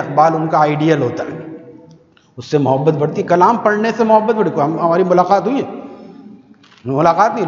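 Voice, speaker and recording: A man with a high voice preaches to worshippers in a mosque, talking to them plainly and asking rhetorical questions. He slips into a slow melodic chant for verses, and the sound rings with a long hall reverb that is a little muffled. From Pakistan. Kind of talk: sermon.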